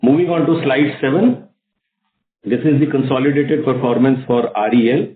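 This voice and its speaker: A man's voice: mid-range voice, steady tone, moderate pace. A man with an Indian accent formally and methodically presenting financial results as a company executive. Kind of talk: scripted investor presentation. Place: conference call. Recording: roomy, narrow phone conference line.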